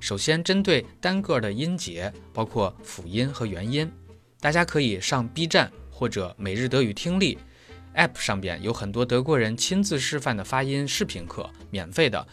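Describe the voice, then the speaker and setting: A man's voice: mid-range voice, big pitch swings, normal speed, a bit bright, soft background music. Man teaching German pronunciation with analogies. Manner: explains step by step with everyday analogies. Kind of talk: explanatory lesson.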